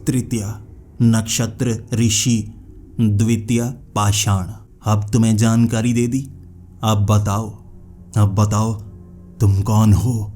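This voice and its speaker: A man's voice: lowish voice, warm tone. A man doing a stern, menacing ancient king. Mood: demanding. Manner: commanding, menacing. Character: angry ancient king with a sword, threatening.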